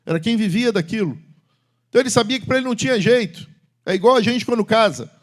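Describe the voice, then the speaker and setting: Preaching quickly in a church sanctuary, the middle-aged pastor shifts between booming, emphatic calls and hushed, confiding talk to his congregation.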